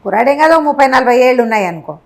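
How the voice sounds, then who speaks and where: A woman with a fairly high voice tells a folk tale as a storyteller would in conversation. She is animated and chatty, slipping into characters' dialogue and adding asides for her listener. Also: rapid-fire.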